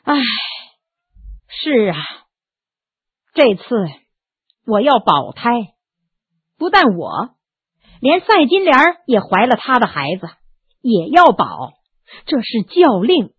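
A woman's voice: a little high, wildly swooping pitch, takes it slowly, long pauses, breathy edge, full character voice. A woman voicing a shrewd, aging brothel madam in a storybook reading, sighing and worldly, tough under the weariness. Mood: weary. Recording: tinny narrow phone-like sound, dry.

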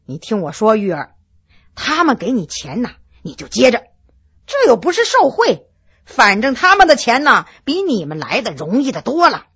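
A woman voicing a friendly male nobleman who gently coaxes and persuades, pitched lower than her narration, with a husky tone. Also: huge pitch swings, moderate pace, highs cut off, exaggerated voice. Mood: coaxing. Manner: coaxing, chatty.

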